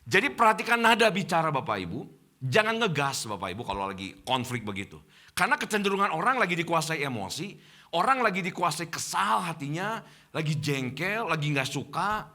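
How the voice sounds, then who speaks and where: A middle-aged male pastor with an Indonesian accent preaching a sermon to his congregation in church, addressing them directly. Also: a little high. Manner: addresses congregation as Bapak Ibu, animated preaching.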